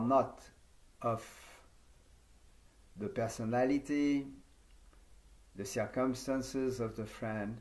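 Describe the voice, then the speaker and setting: With a French accent and audible room echo, a man talks at a fairly slow pace and medium pitch, his intonation fairly even. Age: 70s. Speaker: yoga teacher trainer. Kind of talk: conference talk. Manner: formal.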